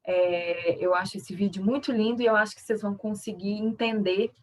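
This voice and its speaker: A woman's voice: mid-range voice, steady tone, fairly quick, recorded from a distance, rough recording. A woman with a Brazilian Portuguese accent, a sign language interpreter teaching an online workshop in a conversational, explanatory way with frequent tag questions.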